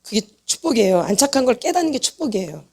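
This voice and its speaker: A woman with a high voice preaches at a church seminar. She repeats each point with force and throws short questions back to the congregation, then answers them herself. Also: big pitch swings, fast talker, a little mellow, husky. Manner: emphatic, repeats points and quizzes the audience for answers. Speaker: pastor's wife teaching a healing seminar. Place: church meeting hall.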